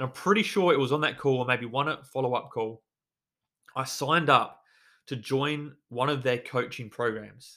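On a very clean recording with a silent background, a man at a medium pitch uses a bright, sharp tone and ordinary pitch variation at a moderate pace. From South Australia, Whyalla. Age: 30s. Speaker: podcast host and financial coach. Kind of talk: solo monologue podcast.

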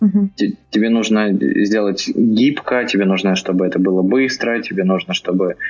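A man speaks over noticeable background noise. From western Russia, Bryansk. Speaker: startup founder and CEO. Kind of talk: podcast interview. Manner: halting, many fillers.

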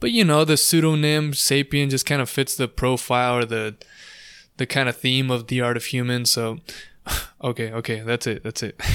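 On a very clean recording with a silent background, a man with an American accent speaks in a plain, everyday voice at a moderate pace with fairly even intonation. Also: medium pitch for a man. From Southern California, Lake Elsinore. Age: 20s. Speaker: podcast host. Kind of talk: casual chat; solo podcast introduction.

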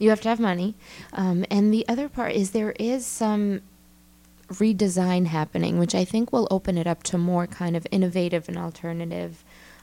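This woman has an unremarkable speaking voice at a medium pitch. She talks at a moderate pace with ordinary pitch variation. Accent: American. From Staten Island, New York. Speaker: recovery fitness program co-founder. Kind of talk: interview.

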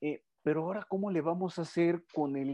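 A man has an ordinary speaking voice at a fairly high pitch, with ordinary pitch variation. The background is quiet and the sound is dry and close with no echo. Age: 60s. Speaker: lawyer and webinar host. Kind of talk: online interview.

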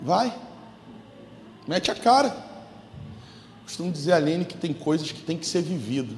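A man with a high pitch talks at a moderate pace, with very wide pitch swings, big swings in loudness and long, frequent pauses, amid audible room echo and noticeable background noise. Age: 40s. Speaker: pastor. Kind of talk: sermon.

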